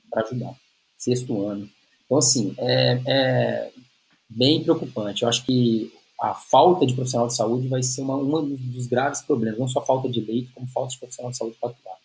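A man's voice: medium pitch, darkish tone, poor audio. Casual Brazilian Portuguese man hosting. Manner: informal, buddy-like address. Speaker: live-stream host. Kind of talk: casual chat with a guest.

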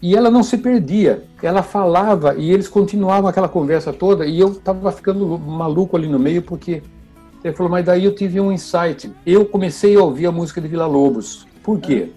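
An older man speaks in a dark, mellow voice with a husky edge. He tells stories in an animated way and keeps tagging his phrases with "né?". Faint music sits behind him. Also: high voice, a little fast. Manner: animated, frequent "né?" tags. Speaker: chamber musician. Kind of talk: storytelling interview.

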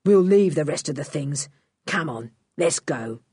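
A growling, grim crook of a man speaks low and hard, as a woman reader puts him on. The voice has a slightly husky edge and sits close and dry, with no room around it. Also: expressive, a little slow, warm tone, dry recording, exaggerated voice. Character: gruff menacing male criminal.

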